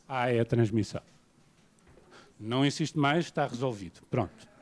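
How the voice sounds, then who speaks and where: A man from Portugal with a European Portuguese accent, giving an academic lecture in a measured, self-deprecating way. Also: mid-range voice. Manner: measured, self-deprecating, paces around while speaking. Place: lecture hall.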